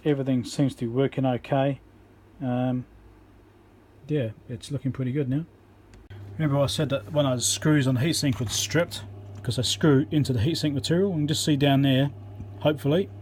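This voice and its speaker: A man's voice: mid-range voice, steady tone, normal speed, darkish tone. Man, repair presenter, casual workbench talk, lots of ums, noisy room. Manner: thinks aloud with many ums, counts into the mic. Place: home workbench indoors.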